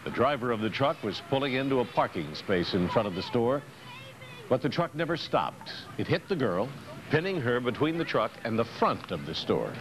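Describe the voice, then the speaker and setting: This is a very animated American man at a moderate pace, his pitch sitting in the middle range. He reads scripted television news narration, captured on a noisy old 1990s newscast tape.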